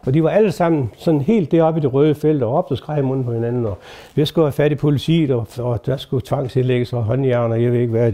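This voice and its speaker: A man's voice: mid-range voice, mellow. An older man, a retired doctor, telling stories from his work to an audience in a hesitant way, with many fillers. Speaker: retired doctor giving a talk. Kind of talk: anecdotal lecture to an audience. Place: talk before a live audience.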